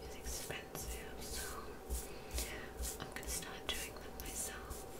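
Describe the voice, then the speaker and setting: Loud background noise fills the clip. A woman is speaking. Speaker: ASMR creator. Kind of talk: casual chatty ASMR talk. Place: home room.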